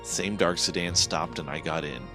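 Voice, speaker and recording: A man's voice: sits low, fairly even intonation, moderate pace. A man narrating a first-person horror story in a tense, dramatic manner over background music. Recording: music playing behind.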